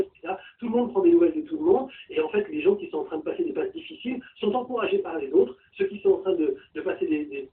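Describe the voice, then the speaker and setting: A man working as a coach, presenting a course in an animated, colloquial and emphatic way. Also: high-pitched. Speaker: personal development coach. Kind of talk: promotional talk to camera introducing a course. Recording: distant mic, thin phone-like sound.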